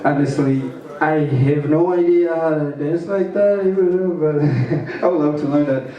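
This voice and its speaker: A man's voice: on the high side, moderate pace, highs cut off. A man from Burundi interviewing someone casually at a live event, with lots of fillers and laughs. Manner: chatty, laughing, filler-heavy questions. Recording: very echoey hall, distant mic.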